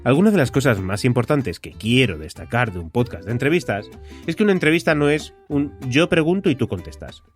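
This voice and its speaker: Spanish man podcasting, animated intonation. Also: medium pitch, fairly quick, faint music behind. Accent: Spain. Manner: direct address to listener with rhetorical questions. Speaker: podcast host. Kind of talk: conversational solo podcast monologue.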